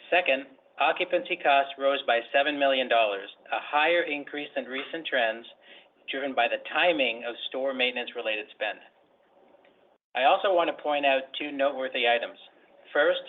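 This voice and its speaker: A man reading scripted financial results as a company executive, in a formal, measured business manner. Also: medium pitch. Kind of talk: scripted earnings call presentation. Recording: phone-like conference call line.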